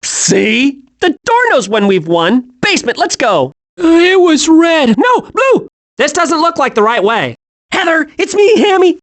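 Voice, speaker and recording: Scatterbrained kiddy squirrel for a cartoon game, super high, voice jumping all over. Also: male voice, a little slow, exaggerated voice. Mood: giddy, excitable. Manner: excitable, naive, wide-eyed. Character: hyperactive, childlike, scatterbrained young male squirrel. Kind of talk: animated video game voice acting.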